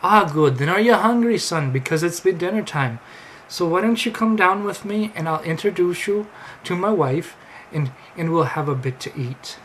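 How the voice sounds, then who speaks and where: A man's voice: medium pitch, steady tone, normal speed, few pauses, a little hiss or hum, close to an everyday voice, low-quality recording. A man voicing a kindly, hearty Amish farmer in his sixties, with solicitous, old-fashioned talk. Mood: warm, welcoming.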